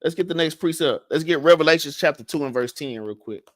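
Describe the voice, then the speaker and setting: A man's voice: a little high, quick pace, no echo, clean studio sound. A man with a Southern US accent teaching a casual Bible class, stuttering and restarting often and tagging "man" and "all right?" onto his lines. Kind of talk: casual scripture lesson.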